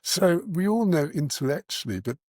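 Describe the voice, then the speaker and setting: A middle-aged man giving reflective interview answers in an earnest, articulate, measured way, pausing as he goes. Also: on the high side, animated, darkish tone, no echo, studio quality. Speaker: interview guest, charity founder and cricket coach.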